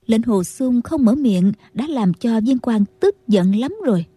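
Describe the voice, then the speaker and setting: A woman reading a martial-arts audiobook in a very dark, mellow voice with a husky edge. Her pitch sits a bit high for her, and the sound is dry and close. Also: animated, a little slow, no room sound. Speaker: audiobook narrator. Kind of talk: scripted martial-arts novel narration.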